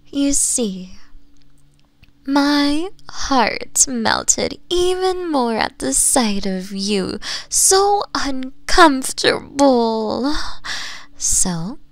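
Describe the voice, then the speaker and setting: A woman voicing a doting, possessive nine-tailed fox woman in an ASMR roleplay, cooing and teasing in a breathy voice that often drops to whispers. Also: high-pitched, very animated, dry recording, full character voice. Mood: teasing, smitten. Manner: cooing, teasing, slow sultry endearments with giggles.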